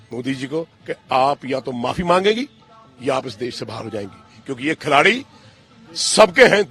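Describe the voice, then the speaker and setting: An older man, answering interview questions with emphatic, indignant passion, booming at times and dropping low at others. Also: vocal fry, husky. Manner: emphatic, indignant, swings between loud outbursts and low, pained tones. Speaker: interviewee, father of a cricketer.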